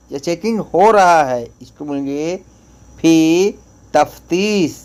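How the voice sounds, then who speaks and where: A man teaching spoken phrases, saying each one slowly and repeating it before explaining its meaning. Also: on the high side, a little mellow. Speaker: language teacher. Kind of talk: slow spoken language lesson.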